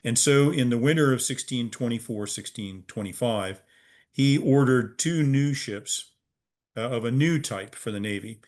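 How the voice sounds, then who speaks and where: A middle-aged American man from Virginia, a museum's head of research, explaining history as an interview guest over a video call, measured and pausing often with "uh". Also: mid-range voice, darkish tone. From Virginia, USA. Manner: measured, with frequent "uh" pauses.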